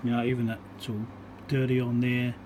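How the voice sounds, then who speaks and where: Working at an indoor workbench, a New Zealand man gives an unscripted, casual walkthrough of his electronics repair in a matter-of-fact way. He speaks at a moderate pace in a medium pitch that is monotone and a little mellow. There's a little hiss or hum in the recording.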